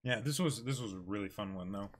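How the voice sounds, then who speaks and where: A man's voice: fairly low pitch, fast talker. A man in his twenties talking casually as co-host of a livestream. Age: 20s. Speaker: streamer and co-host. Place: small room, indoors.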